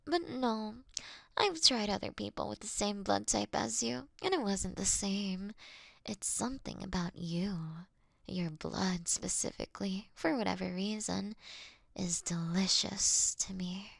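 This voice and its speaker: Slow, intimate female vampire, acted by a woman. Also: medium pitch, no echo. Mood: earnest, coaxing. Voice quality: breathy, often slipping into whisper. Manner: slow, intimate, gently theatrical. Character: female vampire, courteous, doting, wryly confessing to her sleeping prey. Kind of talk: scripted roleplay audio for one listener.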